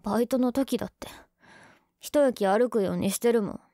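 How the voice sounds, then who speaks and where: A woman's voice: on the high side, normal speed, dark tone, dry recording, clean studio sound. A woman playing a young tsundere girlfriend in an ASMR role-play, huffy and sulky but affectionate underneath.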